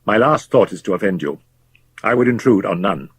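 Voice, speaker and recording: A wealthy old physician , as a man puts him on, hurries through soothing, falsely jovial reassurances. The voice sits a little higher than a natural low speaking voice, with a husky grain and a lively lilt, recorded close and dry. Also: fairly quick, no echo. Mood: nervous placating. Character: smooth, wealthy older male physician, flustered and placating.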